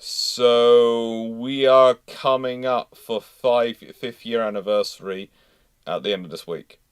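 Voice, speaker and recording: A man's voice: medium pitch, fairly even intonation, takes it slowly, clear, resonant tone, no room sound, studio quality. A man hosting a casual livestream, chatting in a rambling way as he thinks aloud. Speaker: host of a naval history livestream.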